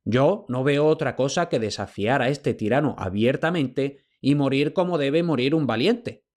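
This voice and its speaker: A man voicing a proud Greek king who barks orders and blusters with quick anger. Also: mid-range voice, a little mellow, pitched above the performer's own voice, lightly acted. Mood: resolute. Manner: commanding, blustering.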